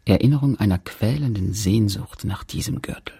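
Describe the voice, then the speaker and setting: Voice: mid-range voice, normal speed, warm tone, slightly rough. An actor playing a woman who looks back on her Catholic girlhood in sober, literary radio-play narration, observant and introspective. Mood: reflective.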